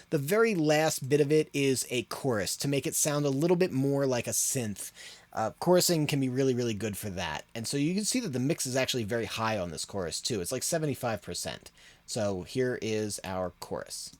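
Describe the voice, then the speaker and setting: A man's voice: mid-range voice, lively intonation, brisk, dry recording. A man hosting an audio tutorial, explaining in an informal, rambling way as he thinks aloud. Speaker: audio production tutorial host.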